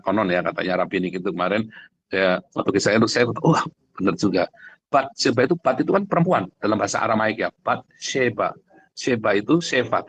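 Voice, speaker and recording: A man preaches a conversational sermon on a livestream, addressing his audience directly with blunt emphasis and rhetorical questions. His voice is medium-pitched with a breathy edge, captured in a dry, poor-quality recording.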